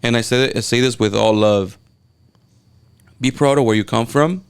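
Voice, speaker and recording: A man with a Mexican Spanish accent, a native Spanish speaker, chatting as a guest and telling excited stories with many restarts. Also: mid-range voice, normal speed, smooth. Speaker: guest, event videographer. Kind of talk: casual interview chat.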